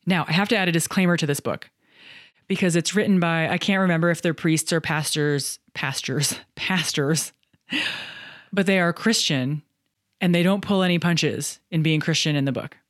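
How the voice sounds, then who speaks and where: A woman's voice: low voice, moderate pace, dry recording, studio quality. A middle-aged woman hosting a solo podcast, talking through book reviews in a candid, chatty way with some self-deprecating humor. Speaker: podcast host and coach.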